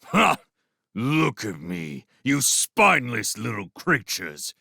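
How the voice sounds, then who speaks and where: A cruel, boastful rat warlord, as a man reads him aloud, sneering one moment and bellowing the next in a wild, swooping voice. The tone is gravelly and sharp. It is a storybook villain sound, recorded close and dry. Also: medium pitch, big pitch swings, slow pace, dry recording, heavily acted. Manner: sneering, boastful tirades that swing to roars. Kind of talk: storybook reading.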